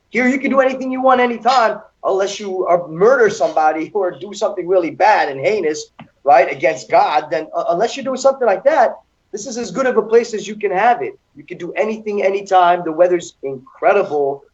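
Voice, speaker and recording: A man's voice: on the high side, darkish tone. Chatty man on dull lo-fi call audio. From born in Hungary, raised in Seattle. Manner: chatty and enthusiastic. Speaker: guest. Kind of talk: remote guest on a talk show.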